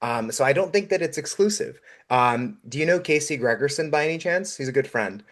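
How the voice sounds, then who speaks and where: A man whose first language is Russian, giving energetic, encouraging advice on a call-in show with many "um"s. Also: on the high side, fairly quick. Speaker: guest investor.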